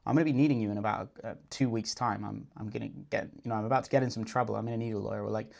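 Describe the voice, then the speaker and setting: A man's voice: lowish voice, steady tone, very fast, vocal fry, darkish tone. A man working as a dating coach, confidently explaining and breaking down a client's approach. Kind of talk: video breakdown commentary.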